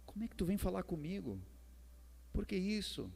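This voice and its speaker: A man's voice: high voice, very animated, vocal fry, a little mellow, husky, voice pushed up, full character voice. A Brazilian man voicing a suspicious, indignant woman who throws challenging questions in a sermon story. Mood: objecting. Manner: challenging, rapid-fire questioning. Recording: echoey hall reverb with music behind.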